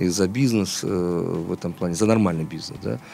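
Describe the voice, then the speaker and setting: Moving at a moderate pace, a man speaks in a dark, mellow tone with ordinary pitch variation. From Baku, Azerbaijan. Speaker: city government official. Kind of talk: interview. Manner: hesitant, with fillers.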